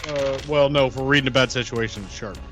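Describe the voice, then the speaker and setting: A man's voice: mid-range voice, steady tone, brisk, music in the background. A man chatting casually as a player in a tabletop roleplay game.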